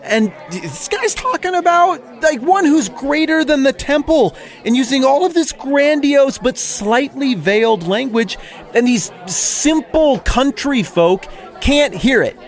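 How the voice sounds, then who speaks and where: A man's voice: very high voice, lively intonation, unhurried, pitched above the performer's own voice, full character voice. A man playing a self-righteous Pharisee who rants defensively and sarcastically about being wronged. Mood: indignant. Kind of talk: comic monologue in character.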